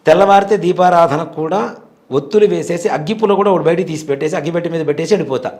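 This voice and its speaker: A man's voice: fairly high pitch, rapid-fire, a little mellow. A man in his forties, a temple priest, earnestly telling a devout personal story in an interview. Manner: earnest, devout, vivid retelling.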